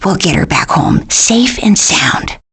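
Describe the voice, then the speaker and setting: A woman's voice: mid-range voice, animated, slow pace, fairly bright tone, breathy edge, exaggerated voice. A woman voicing a sweet, fretful porcupine mother in a video game, folksy and fussing, with an Upper Midwestern American accent. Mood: folksy, encouraging. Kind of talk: animated video game character acting.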